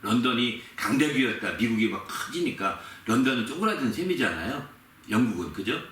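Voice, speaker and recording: A man's voice: mid-range voice, lively intonation, fairly quick, fairly bright tone. A man preaching a sermon as pastor, telling a story with animation and repeating key words for emphasis. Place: church sanctuary. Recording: echoey room, mic at a distance.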